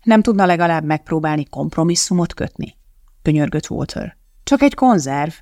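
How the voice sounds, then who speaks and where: Nervous pleading tv guy, reader putting him on, kinda gravelly, super dry close sound. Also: mid-range voice, animated, a little mellow, no room sound, lightly acted. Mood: worried. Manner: worried and pleading. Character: anxious pleading male TV producer. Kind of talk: audiobook character voice.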